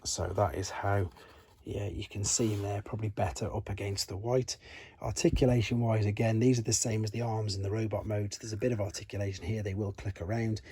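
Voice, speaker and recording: A man's voice: on the low side, little pitch movement, a little fast, warm tone, husky, no room sound. A man giving an unscripted, chatty hands-on toy review, thinking aloud as he handles things. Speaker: toy collector and reviewer, channel host.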